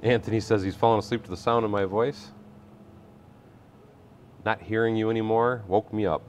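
A man's voice: lowish voice, fairly even intonation, normal speed, a little mellow, slight background noise. A middle-aged man hosting a live building stream, chatting casually, reading viewer comments and laughing easily. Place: indoor workshop room.

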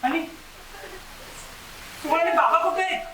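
A man's voice: very high voice, a little slow, roomy sound, very noisy. A man playing a remorseful, pleading son. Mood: anxious. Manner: pleading, calls out repeatedly. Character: remorseful young adult son. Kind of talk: amateur short-film acting.

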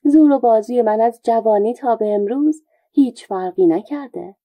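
A woman's voice: fairly high pitch, dry recording, phone-quality sound. A woman voicing a sly old male folk joker with a plaintive, mock-innocent manner. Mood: wry.

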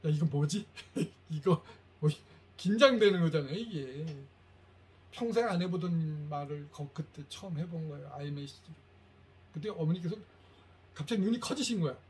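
A middle-aged man giving a lecture to parents, telling stories and acting out quoted lines with lively shifts. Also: fairly high pitch, moderate pace. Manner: animated storytelling, acts out quoted lines.

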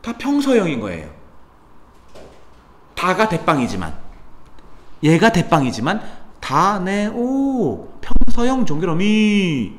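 Lively male grammar tutor. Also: sits high, takes it slowly, pauses often. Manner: lively, chatty teacher addressing students, sudden mutters and exclamations. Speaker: Korean language tutor. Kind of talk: classroom grammar lecture. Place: cram school classroom.

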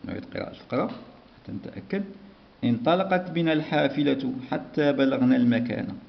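Gravelly male teacher, slow dictation. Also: mid-range voice, animated, slight background noise. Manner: patient, slow dictation with repeated words. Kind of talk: primary school lesson walkthrough. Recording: dull lo-fi recording.

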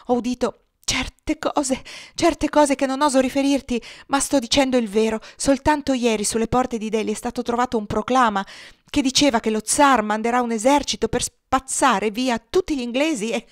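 A woman's voice: fairly high pitch, moderate pace, no echo, clean studio sound, pitched above the performer's own voice, natural voice. A woman voicing a frightened young woman who pleads urgently in an audiobook reading. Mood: urgent pleading.

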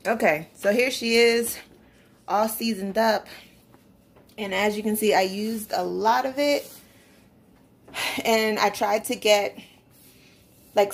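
A young woman in a home kitchen explains a recipe to her viewers step by step in a casual, chatty way. Her mid-range voice carries a strong gravelly fry. She is recorded on a phone camera resting on the counter. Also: medium pitch. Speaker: vlogger. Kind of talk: casual cooking vlog explanation.

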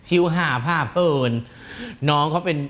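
A man's voice: fairly high pitch, level tone, moderate pace, a bit bright. A man hosting a celebrity gossip chat, teasing and giggly, with a camp manner and feminine polite endings. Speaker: gossip show host.

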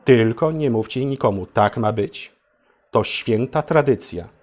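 A man's voice: mid-range voice, a little slow. A man narrating a satirical fairy tale for adults in a theatrical, mock-solemn way, as if addressing children. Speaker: storyteller and channel host.

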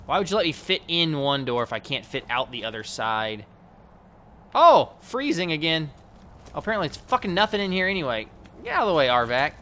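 A lively man with a bright, forward voice rambles through gameplay, swearing freely and talking straight at the characters on screen. His pitch jumps around a lot, and a faint hiss of noise sits under the recording. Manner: profane, rambling, talks to the game. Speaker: let's play host. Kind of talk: casual gameplay commentary.

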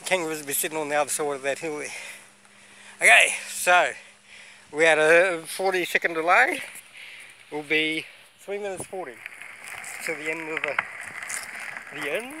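A man's voice: on the high side, moderate pace, long pauses, rough recording. A man in his forties riding a bike outdoors, giving rambling, upbeat running commentary into a phone camera held at arm's length. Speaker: vlogger. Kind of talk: casual running commentary while cycling. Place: outdoors on a riverside bike track. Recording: loud outdoor noise.

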